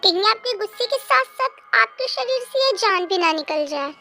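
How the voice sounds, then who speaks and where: A high young voice doing an obsessive psycho young man, sickly sweet coos, low threats, music under it. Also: lively intonation, fairly quick, gravelly, exaggerated voice. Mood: taunting. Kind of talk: fan audio drama voicing.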